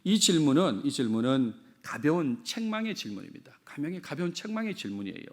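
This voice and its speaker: Lively middle-aged Korean pastor preaching. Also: male voice, fairly high pitch, brisk. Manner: expressive, repeats key phrases, asks the congregation questions. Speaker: senior pastor. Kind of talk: sermon.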